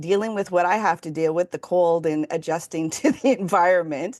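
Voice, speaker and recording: With an unremarkable speaking voice, a woman talks at a fairly low pitch with ordinary pitch variation, the sound dry and close with no echo over a quiet background. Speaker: podcast host. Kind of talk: podcast interview host.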